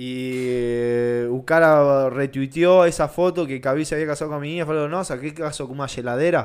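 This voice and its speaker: Speaking at a moderate pace with hardly any pauses, a man with an Argentine accent keeps a fairly high pitch and fairly even intonation. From Argentina, La Plata. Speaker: MMA fighter. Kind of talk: casual chat. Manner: mixes Spanish and Portuguese.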